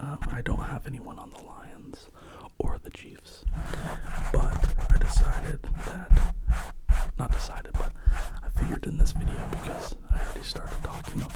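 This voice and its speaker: Whispering at a moderate pace with long, frequent pauses over noticeable background noise. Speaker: ASMR creator and football fan. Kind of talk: ASMR ramble to camera. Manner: soft-spoken, rambling.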